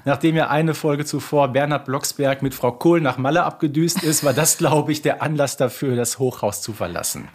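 A man's voice: a little high, moderate pace, few pauses. A man from North Rhine-Westphalia in Germany, co-hosting a casual podcast and explaining things in careful detail. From North Rhine-Westphalia, Germany (Ruhr area). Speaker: podcast co-host. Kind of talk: casual conversational podcast discussion.

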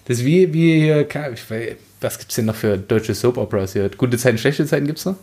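A man's voice: medium pitch, fairly quick, darkish tone. A man chatting casually in a colloquial, wry way. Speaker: book podcast panelist. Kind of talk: casual chat.

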